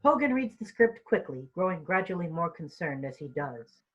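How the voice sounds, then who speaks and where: A woman's voice: on the low side, big pitch swings, normal speed, husky, lo-fi sound. A woman reading stage directions in an informal read-through, tripping over and repeating words now and then.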